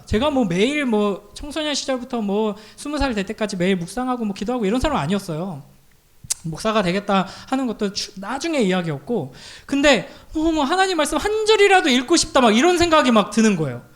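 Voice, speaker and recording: A man preaching to a youth group, telling a personal story in a lively way and acting out the voices of people in it. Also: very high-pitched. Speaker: pastor.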